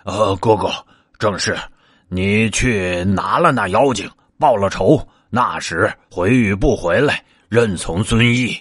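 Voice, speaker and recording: A man's voice: on the low side, slow, no room sound, studio quality. A man voicing a sly, lazy male pig disciple who coaxes and pleads with hesitant fillers. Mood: coaxing.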